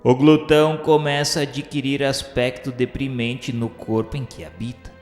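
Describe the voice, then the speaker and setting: An actor playing an earnest spirit pupil who recounts a journey in formal, literary radio drama narration. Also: male voice, medium pitch, little pitch movement, moderate pace, a little mellow, lightly acted. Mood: sombre, descriptive. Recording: echoey hall reverb, music behind.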